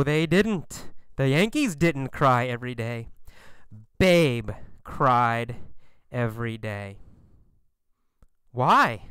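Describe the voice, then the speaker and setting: An English teacher tells a story as a question-and-answer lesson, drilling each point with repeated questions and emphatic answers in an exaggerated delivery. The voice is medium-pitched, a bit bright and smooth, in studio quality with no echo.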